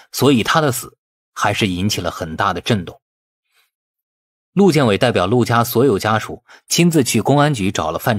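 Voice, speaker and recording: A man's voice: lowish voice, no echo, clean studio sound. A man narrating a novel as a scripted audiobook.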